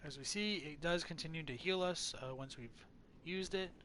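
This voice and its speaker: A man's voice: a little high, moderate pace, noisy background. A man hosting a game playthrough, musing over lore in a hesitant, thoughtful way, often restarting his sentences. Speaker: let's play host.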